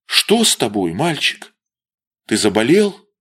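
A man voicing a worried, tender mother who asks her son anxious, hushed questions. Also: mid-range voice, huge pitch swings, slow, husky, full character voice.

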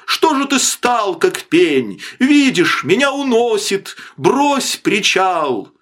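A panicked male shopkeeper from an audiobook, voiced by a male reader, shouting high and shrill as he begs for his life. The pitch jumps well above the reader's own voice. He sounds desperate and frantic. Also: big pitch swings, slow, exaggerated voice. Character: terrified drowning male shopkeeper, pleading.

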